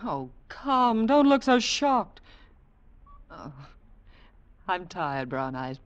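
Languid, remorseless femme fatale. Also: female voice, fairly low pitch, sing-song, very slow, exaggerated voice. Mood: cool, mocking. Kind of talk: 1940s radio drama acting. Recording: muffled 1940s radio broadcast.

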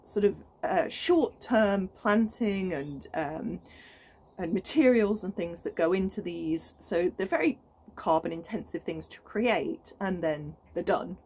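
Speaking a little slowly in a lowish, slightly mellow voice, a woman in her thirties from the United Kingdom chats to camera about her allotment. She's a gardening vlogger with a British accent, full of enthusiasm, ums and false starts. Slight background noise is audible.

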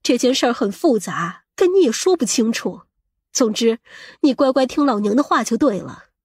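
A woman acts a brash, scheming middle-aged mother in an audiobook drama. Her high voice has a husky edge, and she talks in a boastful, scolding way, vain and coarse-tongued. The sound is dry and close. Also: animated, moderate pace, darkish tone, no room sound. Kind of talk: audiobook character acting.

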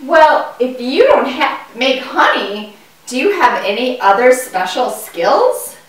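A woman voicing a curious, naive young boy puppet in a children's show, with wide-eyed, exaggerated and deliberate delivery. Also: high-pitched, big pitch swings, heavily acted. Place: indoor puppet stage, far from the mic. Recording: echoey room, distant microphone.

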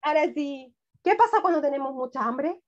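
A woman's voice: sits high, animated, moderate pace. A middle-aged woman teaching young children an online class, encouraging and full of questions. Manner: encouraging, asks many questions. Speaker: primary school teacher. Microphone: video call. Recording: dull lo-fi video call audio.

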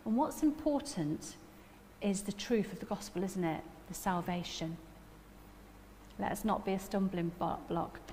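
A middle-aged woman with a Nottingham accent preaches in a reverberant hall. Her voice sits at an average pitch, and she talks in a chatty, self-deprecating way, often checking in with tag questions. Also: animated, unhurried, warm tone, a little hiss or hum. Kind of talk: informal sermon with personal anecdotes. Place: church hall stage at a lectern. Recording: echoey hall with long reverb.

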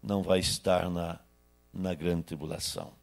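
In a small church hall, a Brazilian pastor in his sixties preaches into a handheld microphone with a low, gravelly voice. His delivery is flat and moderately paced, though it shifts between loud bursts and hushed asides.

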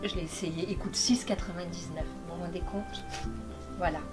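A woman's voice: fairly low pitch, fairly even intonation, normal speed, music in the background. A woman vlogger showing her shopping haul in a playful, chatty way, filmed by a cameraman. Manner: chatty and playful, with pet names for viewers. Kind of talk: casual chat to viewers. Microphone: camera microphone, filmed by a cameraman.

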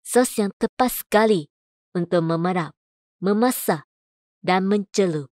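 A woman voice-over artist reads prepared copy in a medium-pitched voice. Her delivery is measured and clearly enunciated, and the recording is close and dry. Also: a little mellow, dry recording. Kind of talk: scripted voice-over demo: adverts, narration, announcements.

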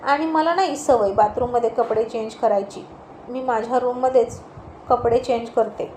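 A sharp-tongued young woman retorts indignantly in an audio storybook. A woman voices her in a high, bright register, and the echo of a roomy space hangs around each line. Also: normal speed, lightly acted. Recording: roomy echo, faint noise.

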